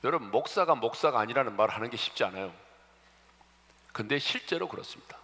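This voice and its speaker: A man's voice: mid-range voice, lively intonation, fast, fairly bright tone. A man preaching a sermon as a pastor, often calling out to the congregation and joking between points. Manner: addresses congregation often, jokes about regional dialects. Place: church sanctuary. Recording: long church reverb.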